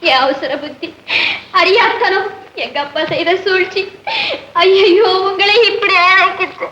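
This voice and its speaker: An actress playing a devoted young heroine who speaks in pleading, emotional declarations, in 1960s film acting. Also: female voice, extremely high pitch, measured pace, bright, forceful tone, highs cut off, slight background noise, exaggerated voice. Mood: distressed.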